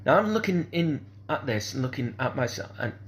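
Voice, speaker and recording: Brisk and very animated, a man with a mid-range voice rambles hesitantly with lots of fillers. He repeats "kind of sort of" and keeps breaking off to begin again.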